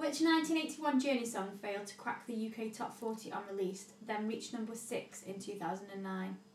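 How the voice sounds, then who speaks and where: A woman's fairly high voice with ordinary pitch variation, at a moderate pace with hardly any pauses, amid audible room echo. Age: 30s. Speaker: podcast co-host. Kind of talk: casual chat.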